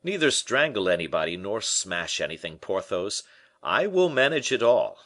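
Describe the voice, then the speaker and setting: A man voicing a shrewd, calm middle-aged friend in an audiobook, speaking in a wry, reassuring, measured way. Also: on the low side. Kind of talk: audiobook character voice.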